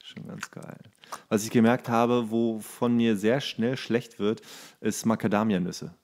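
A man's voice: lowish voice, fairly even intonation, measured pace, darkish tone, slight background noise. A man co-hosting a podcast in casual, jokey banter, playfully riffing as he chats. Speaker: podcast co-host.

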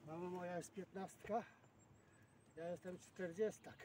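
A Polish fishing vlogger in his sixties sits in a boat on open water, chatting casually to camera and rambling to himself in self-deprecating mutters. His voice is high-pitched, steady, and unhurried, caught by a far outdoor mic with clear background noise.

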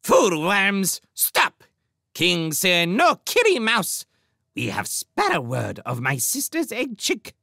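A savage bird king from a storybook. The voice is pushed high and harsh, with a creaky, shrill edge. He bullies and barks in clipped, broken grammar, full of wrath. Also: big pitch swings, slow, sharp tone, no room sound, studio quality, full character voice. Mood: angry, commanding. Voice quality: shrieking, harsh.

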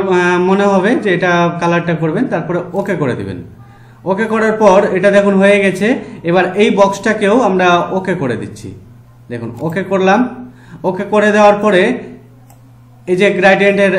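A man with a fairly high voice and a Bengali accent talks through a screen-recorded software tutorial. He goes step by step, slowly, with frequent "ah" fillers. The room sounds echoey around him. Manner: slow step-by-step instructions, fillers. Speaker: tutorial host.

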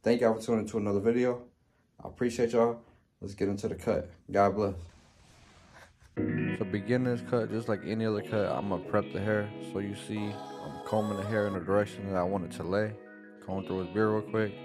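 A young man, a barber, giving a laid-back tutorial voice-over from a small dim room at home, speaking into a boom-arm studio mic. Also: steady tone, a little fast. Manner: laid-back, plain instructional talk. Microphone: studio microphone on boom arm. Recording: faint guitar music underneath. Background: faint guitar music.

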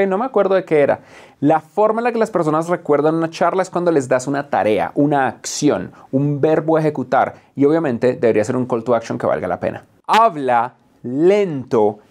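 A man delivers a course lesson in short, punchy commands. He is direct and emphatic, and he slips into quick imitations of nervous or self-absorbed speakers to make his points. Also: a little high, darkish tone. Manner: acts out timid and boastful speakers. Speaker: online course instructor. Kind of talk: lecture-style tips to camera.

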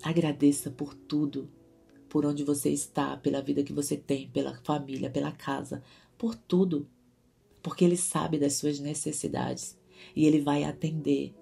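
A woman's voice: sits low, flat delivery, moderate pace, vocal fry, breathy edge. A woman giving an earnest devotional teaching to other women, repeating words for emphasis. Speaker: Christian women's devotional host. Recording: soft guitar music behind.

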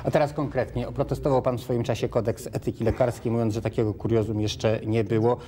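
A man's voice: medium pitch, flat delivery, fast talker, warm tone, a little hiss or hum. A young man hosting a television studio interview, asking long questions with many hesitant fillers, on a lapel mic. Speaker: talk show host.

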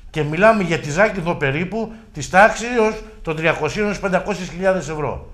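A man's voice: a little high, fairly bright tone. A middle-aged man, a regional deputy governor, arguing his case emphatically in a local TV interview and using rhetorical questions.

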